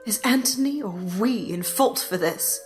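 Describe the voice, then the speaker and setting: Slow, regal, wounded queen, acted by a woman. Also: mid-range voice, lightly acted. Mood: troubled, weary. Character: proud, wounded Egyptian queen. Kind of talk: Shakespearean audio drama acting. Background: music.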